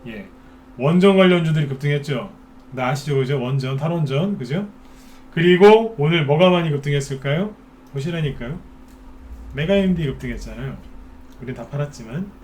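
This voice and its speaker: A man's voice: on the high side, expressive, normal speed, darkish tone. A man hosting a stock market broadcast, talking casually and firing off rhetorical questions, often mimicking worried investors. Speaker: stock market expert host.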